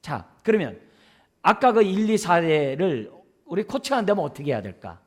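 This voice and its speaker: A man's voice: high voice, sing-song, normal speed. A man preaching as a pastor at a church service, often putting rhetorical questions to the congregation. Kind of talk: sermon on parenting.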